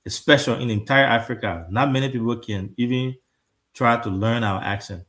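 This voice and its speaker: A Liberian man with a Liberian accent hosts a talk show in a casual, earnest tone. He often stumbles back over a word before going on, and his voice sits at an ordinary middle pitch. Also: brisk, a bit bright. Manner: earnest, repeats words when restarting.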